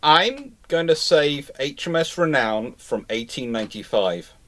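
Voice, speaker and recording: A man's voice: a little high, lively intonation, unhurried, fairly bright tone. A man hosting a casual live panel chat, talking as a rambling enthusiast who stumbles and restarts mid-sentence. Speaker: host of a live naval history question-and-answer stream.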